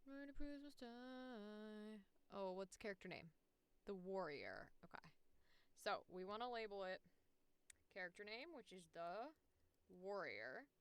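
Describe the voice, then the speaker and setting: A woman's voice: medium pitch, big pitch swings, unhurried, long pauses, smooth. A woman hosting a casual livestream tutorial, chatting informally, thinking aloud and swearing freely as she talks through each step. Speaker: livestream host and voice actor.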